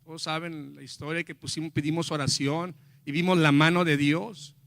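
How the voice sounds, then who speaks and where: Bright-voiced older man preaching a testimony. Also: a little high, level tone, moderate pace, vocal fry, no room sound, clean studio sound. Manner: storytelling with acted quotes, swings from quiet to loud. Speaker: pastor. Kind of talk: sermon testimony.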